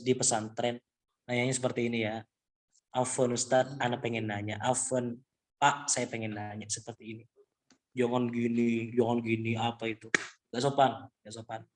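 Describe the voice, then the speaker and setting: Man, arabic teacher, online video call class, casual and repetitive, plain middle pitch. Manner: casual, repetitive, addresses students as antum.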